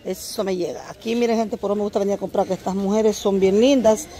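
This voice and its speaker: A middle-aged woman films a casual vlog while shopping at an outdoor market, chatting with vendors and speaking directly to her viewers. Her medium-pitched voice is warm and steady in tone, and she talks at a quick pace.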